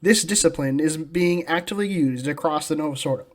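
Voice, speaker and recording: Higher-pitched American man, solemn religious commentary. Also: brisk. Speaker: host of a religious commentary channel. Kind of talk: scripted polemical commentary.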